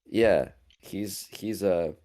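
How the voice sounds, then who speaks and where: A man's voice: deep voice, very slow, mellow. A middle-aged man co-hosting a casual podcast chat, teasing his friends and joking around. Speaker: podcast co-host.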